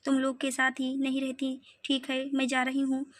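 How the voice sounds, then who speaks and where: A woman's voice: high voice, monotone, normal speed, natural voice. A woman voicing a tearful, touchy young woman who has lost her job, in a read-aloud audio story. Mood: upset.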